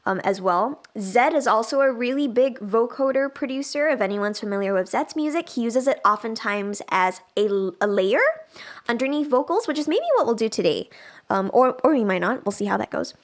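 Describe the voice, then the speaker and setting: Woman giving a chatty software tutorial. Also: on the high side, lively intonation, normal speed. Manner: chatty, informal, thinks aloud while demonstrating. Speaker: music production trainer. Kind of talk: casual livestream software tutorial.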